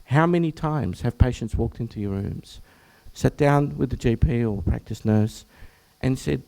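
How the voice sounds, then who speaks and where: An Australian man, a general practitioner, presenting to health professionals at an information session, with a croaky, hoarse voice; he clears his throat often and breaks off to restart phrases. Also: mid-range voice, moderate pace, mellow, low-quality recording. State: hoarse, croaky from much talking.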